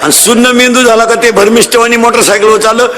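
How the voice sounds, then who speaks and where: A middle-aged man preaching a devotional sermon with humor, emphatic and often shouting out his points. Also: very high voice, level tone, fast, background noise. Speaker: kirtan preacher.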